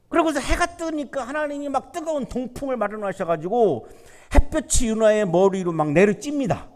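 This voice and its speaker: A male pastor preaching an animated sermon, asking his congregation questions and acting out the voices in the story. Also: high-pitched. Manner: asks the congregation rhetorical questions. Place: university church sanctuary. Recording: long church hall reverb.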